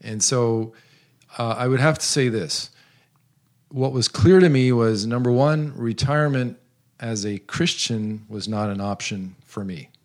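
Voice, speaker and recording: A man in his sixties who grew up in South America, giving earnest, measured interview answers with frequent pauses and restarts. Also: medium pitch. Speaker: guest, retired missionary.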